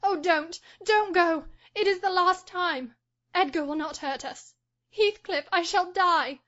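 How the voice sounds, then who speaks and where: A woman's voice: extremely high pitch, takes it slowly, a bit bright, voice pushed up, exaggerated voice. A woman voicing Catherine, a wild, desperate young woman who clings and pleads in shrieking cries. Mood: frantic. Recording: dull lo-fi recording.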